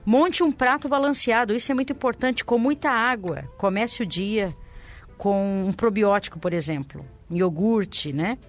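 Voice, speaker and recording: A woman's voice: mid-range voice, normal speed. A woman with a Brazilian accent co-hosting a radio show, chatting and explaining things in a casual way. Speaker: radio co-host. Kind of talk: casual radio chat with health tips. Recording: music under the voice. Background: background music.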